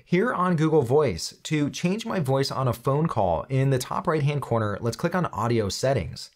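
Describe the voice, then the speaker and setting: A man in his thirties presents a step-by-step tutorial with a medium-pitched voice. He addresses the viewer directly and explains each action in an instructional way, close on the microphone. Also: very animated, normal speed. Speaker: tutorial host.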